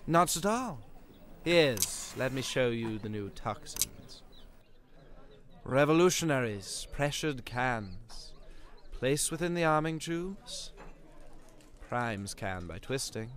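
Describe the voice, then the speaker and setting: A man's voice: medium pitch, lively intonation, slow pace, pauses often, fairly bright tone. A man acting a greedy, eager black-market arms seller in a radio drama, with broken salesman patter. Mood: salesmanlike.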